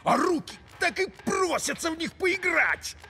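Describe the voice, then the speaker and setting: A man voicing an irritable, bellowing dragon head in a cartoon, shouting indignantly. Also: very high-pitched, sing-song, measured pace, creaky, exaggerated voice. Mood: furious ranting. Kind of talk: animated cartoon acting.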